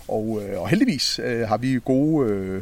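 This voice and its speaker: A man speaks over noticeable background noise. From northern Jutland, Denmark. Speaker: chef. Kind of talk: casual interview. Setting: outdoors in a back garden.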